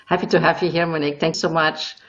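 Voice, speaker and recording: A woman's voice: low voice, flat delivery, quick pace, highs cut off. Woman hosting a live webinar. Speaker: webinar host and moderator.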